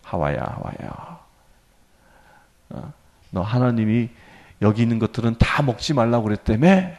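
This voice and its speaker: A priest voicing a sly male serpent tempter in a low, coaxing whisper during a sermon. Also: sing-song, brisk, slightly rough. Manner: coaxing, insinuating. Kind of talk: acted quote within a sermon.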